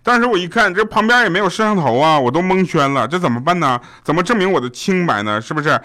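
A man who hosts an audio show and delivers a stand-up comedy monologue. He builds deadpan setups into quick punchlines and often turns to the listener with "you know?". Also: high voice.

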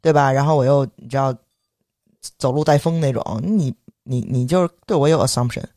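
A young man with a Beijing accent, telling an indignant story on a podcast in lively casual chat and acting out the voices of the people involved. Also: medium pitch, brisk, no echo, studio quality. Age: young adult. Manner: animated, indignant, acts out quoted voices. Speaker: podcast co-host.

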